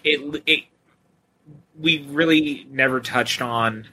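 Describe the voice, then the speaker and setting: Guy on a movie podcast, bright tense voice, faint hiss behind, gets excited retelling scenes. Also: medium pitch, slow. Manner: enthusiastic, recounts scenes with quoted lines. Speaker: podcast co-host. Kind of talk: casual film discussion.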